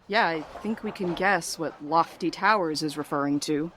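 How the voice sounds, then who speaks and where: A woman acting in an audio drama as a wry, articulate character, speaking in a dry, measured way. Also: low voice, fairly bright tone, slight background noise, low-quality recording. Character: wry, blunt postal worker, also a reflective letter-writing ghostwriter. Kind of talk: audio drama dialogue and monologue.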